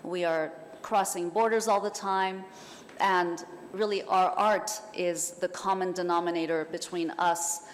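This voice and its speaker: Persian-native woman writer on a festival panel, lowish voice, talks slow n careful, hall echo. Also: fairly even intonation. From Iran. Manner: thoughtful, measured, with hesitations. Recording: hall reverb, faint noise.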